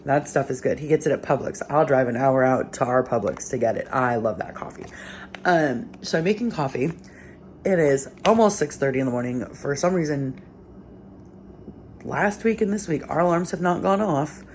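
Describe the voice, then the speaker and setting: A woman's voice: rumbling low, normal speed, slight background noise. A sleepy young woman chatting rambly in a home vlog, with lots of fillers, from her kitchen early in the morning. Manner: chatty and rambling, many fillers, soft-spoken at times while the baby sleeps. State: sleepy, yawning. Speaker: vlogger, mother of several children. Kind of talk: casual home vlog chat.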